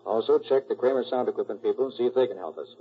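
A confident, methodical private detective in a 1940s radio drama. He speaks rapidly at a middle pitch, through a tinny, narrow old recording. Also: breathy edge. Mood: composed, decisive. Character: brisk, composed male master detective, methodical and confident.

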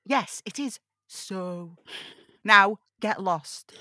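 A burdened, defiant young broadcaster played by a woman in an audio drama read. The voice sits at a middling pitch, snappish and exasperated with a sarcastic edge. The recording is dry and close. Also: drawn-out words, bright, forceful tone, dry recording. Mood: irritated, defiant. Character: defiant, burdened young male radio broadcaster with magical powers.

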